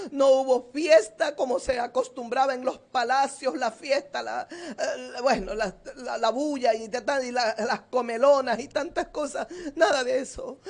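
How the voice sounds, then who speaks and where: A woman preaching a fervent sermon while seated, her voice often tearful and at times rising into loud cries. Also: sits high. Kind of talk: emotional sermon. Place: seated indoors.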